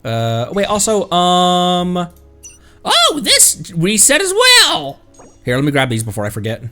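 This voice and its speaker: Lively unhurried male streamer. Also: high-pitched, faint music behind. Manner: chatty, thanks viewers, laughs often. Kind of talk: casual live game stream chat.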